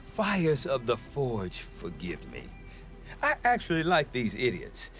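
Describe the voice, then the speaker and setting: An actor playing a wily, sentimental tribal trader in a video game, talking in a wry, theatrical, self-justifying way. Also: male voice, medium pitch, wildly swooping pitch, slow, fairly bright tone, soft background music, full character voice. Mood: pleading, animated. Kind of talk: video game cutscene acting.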